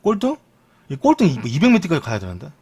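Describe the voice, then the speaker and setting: A man's voice: quick pace, husky. A young man streaming live, reading football news in a chatty, joking way and muttering asides. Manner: chatty, lively pitch, jokes and mutters asides. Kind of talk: casual live-stream commentary.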